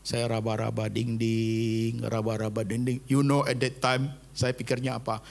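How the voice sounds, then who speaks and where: A middle-aged male pastor preaching fervently, mixing English words into his talk and swinging from loud emphatic peaks to soft prayerful tones. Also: mid-range voice, little pitch movement, moderate pace, creaky. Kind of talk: sermon.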